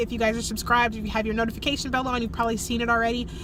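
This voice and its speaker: Noticeable background noise and audible room echo surround a woman whose pitch is fairly high. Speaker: vlogger. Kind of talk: casual vlog chat. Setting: in a car in a parking lot. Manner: fast.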